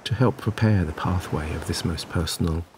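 A man narrating a scripted guided sleep meditation in a soothing, gentle, measured way. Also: low voice, background noise. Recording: clear background ambience of waves. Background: relaxing ocean wave sounds.

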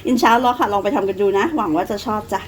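A woman's voice: medium pitch, rapid-fire, slight background noise, rough recording. A woman in her thirties from Thailand with a Northeastern Thai accent, chatting casually through a home cooking vlog and calling herself by her own nickname. She has a cough and some phlegm. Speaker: cooking vlogger.

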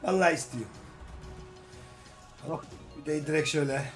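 Man, high voice, slot streamer, joking, grumbles then hypes, faint music behind. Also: normal speed. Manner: joking, swings between grumbling and excited hype. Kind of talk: casual commentary over slot play. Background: faint game music.

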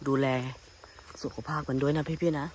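A man's voice: a little high, flat delivery, moderate pace, darkish tone, slight background noise. Man vlogging on a phone in a rainy forest. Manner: chatty, talks straight to his viewers, uneasy in the thunder. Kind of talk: casual walking vlog to viewers. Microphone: handheld phone. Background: insects and rain ambience.

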